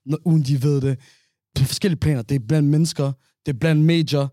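A man's voice: on the high side, fairly even intonation, dark tone, no room sound, clean studio sound. Reflective man steering a podcast chat. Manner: reflective, steers the topic, slips in English words. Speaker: podcast co-host. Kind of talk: casual chat.

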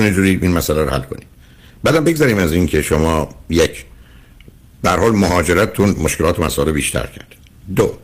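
An older man with a husky voice, a radio counseling host giving earnest, lecturing advice to a caller. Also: deep voice.

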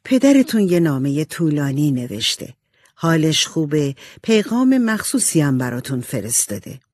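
Woman doing a loving mom, warm and reassuring. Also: low voice, sing-song, breathy edge, dry recording, full character voice. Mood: tender. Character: loving, tired mother of four daughters.

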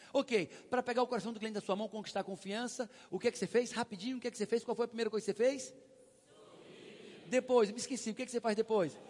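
A man's voice: high voice, long reverb tail. A man giving a live sales training talk, telling stories, acting out dialogue and prompting his audience to answer. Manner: animated storytelling, acts out dialogue, prompts audience.

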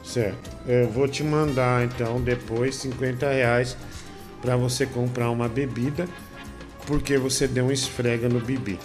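A man's voice: medium pitch, steady tone, a little slow, over music. A man hosting a comedy show, reading viewer messages aloud in a rambling, joking way. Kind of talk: reading superchats, bantering.

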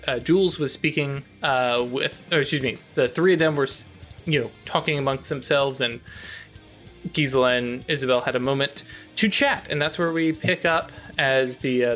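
A man narrating as game master of a tabletop role-play, talking in a halting way with many fillers and restarts. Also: mid-range voice, fairly bright tone. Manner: halting, lots of fillers and self-corrections.

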